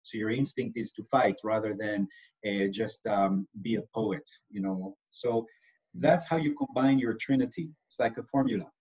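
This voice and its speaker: A man's voice: on the low side, a little fast, a little mellow, highs cut off. A man from Israel with an Israeli accent, explaining things patiently in an interview, with lots of fillers. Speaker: astrologer guest.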